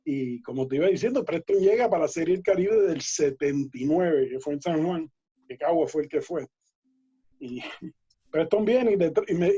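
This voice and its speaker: A man, a guest telling lively baseball anecdotes in a casual interview, laughing and acting out quoted dialogue. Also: fairly high pitch, slightly rough. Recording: dull lo-fi audio.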